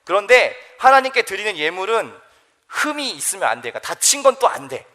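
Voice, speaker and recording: Speaking in a high, brisk voice, a young man who works as a youth pastor preaches to teens, animating his message with stories and questions for the group.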